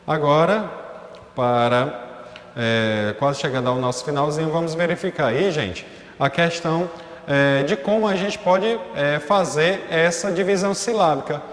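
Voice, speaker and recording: A man's voice: on the high side, unhurried. A male teacher giving a recorded class, explaining step by step and often checking in with his students. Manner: explanatory, frequent checking fillers. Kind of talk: recorded online class lesson. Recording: echoey room with long reverb.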